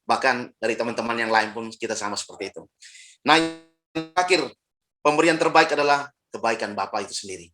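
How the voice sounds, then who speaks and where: A man's voice: mid-range voice, brisk. A middle-aged man from Timor-Leste, a pastor preaching a sermon, telling a story and acting out the other people's voices. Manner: animated, acts out quoted voices, laughs often.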